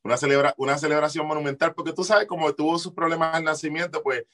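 A man's voice: fairly high pitch, little pitch movement, fast, a bit bright. Informal, slangy Puerto Rican man. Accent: Puerto Rican Spanish. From Puerto Rico. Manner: jokey, slangy, mixing in English words. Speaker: musician guest. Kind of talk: casual chat.

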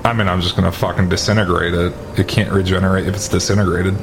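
Deadpan, lowish-voiced male player. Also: quick pace, background noise. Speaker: tabletop game player. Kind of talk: casual, improvised role-play chat.

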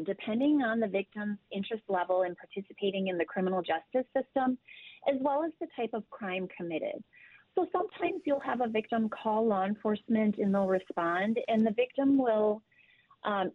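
A woman explaining victim services in an interview, in a measured and informative way. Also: medium pitch, dry recording. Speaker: victim services professional guest. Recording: dry tinny call audio.

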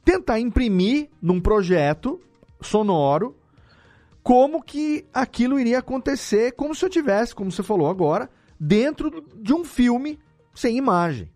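A Brazilian man talking casually as an interviewed audio editor, explaining things in an animated way with rhetorical questions. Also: extremely high pitch, unhurried, faint music behind. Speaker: audio drama editor and podcast guest.

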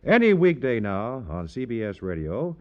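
A man's voice: medium pitch, sing-song, moderate pace. A man doing scripted 1950s radio announcing in a polished, salesmanlike manner. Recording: dull 1950s radio recording.

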